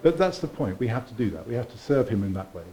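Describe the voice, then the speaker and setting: A man teaching a viola masterclass, coaching a student with lively encouragement and sung phrases. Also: medium pitch, quick pace, noisy background. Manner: animated, sings phrases and encourages. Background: viola and piano playing.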